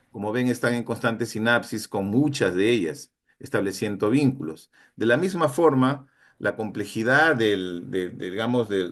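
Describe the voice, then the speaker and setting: A man with a fairly low voice gives a conference lecture. He talks in a hesitant way, with frequent fillers and restarted phrases.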